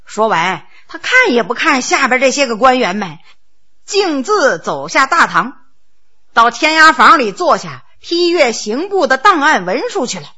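A woman's voice: sits high, very animated, unhurried, bright, forceful tone, breathy edge. A woman telling a court tale in traditional oral storytelling style, with vivid, dramatic narration.

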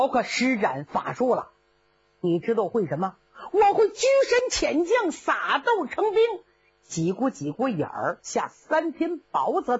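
A woman's voice: sits high, a bit bright, slightly rough, muffled recording, heavily acted. A woman voicing a boastful, blustering old male general, bragging in comic bluster.

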